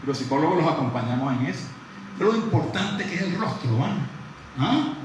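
A man's voice: a little high, a little fast. Man lecturing in a very echoey hall. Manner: lively, conversational, asks the audience questions. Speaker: psychologist lecturing dentists. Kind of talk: live lecture to an audience. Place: large room with audience. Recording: very echoey hall from far off, faint noise.

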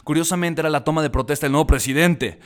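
A man, an entrepreneur telling an animated personal story and repeating words for emphasis. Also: a little high, quick pace.

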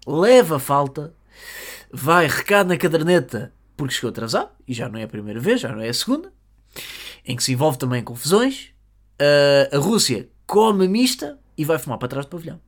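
A podcast host with a European Portuguese accent, telling a comedic story in an animated, jokey way. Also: mid-range voice. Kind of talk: comedic monologue.

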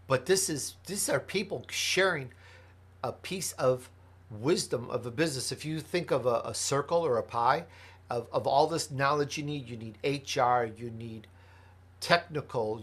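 A man's voice: medium pitch, fairly bright tone. A man from Chicago, a podcast host answering interview questions in an earnest, emphatic way, building his points through lists. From Chicago, United States.

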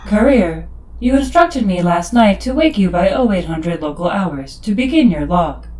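Ship's computer, female actress, audio drama. Precise, dutiful, literal, with animated pitch movement. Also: moderate pace, lightly acted. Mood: formal, dutiful. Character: formal, literal-minded female shipboard computer assistant.

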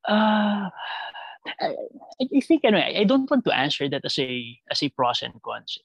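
A Filipino man answering reflectively in conversational Taglish, mixing Tagalog and English, halting and repeating words as he thinks aloud with a creaky voice. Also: high-pitched, sing-song, no echo, muffled recording.

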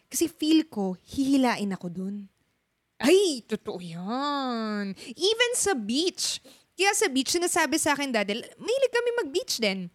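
A woman's voice: sits high, sing-song, unhurried, no echo, clean studio sound. A young woman with a Filipino accent, telling a story in casual chat and mixing in English words.

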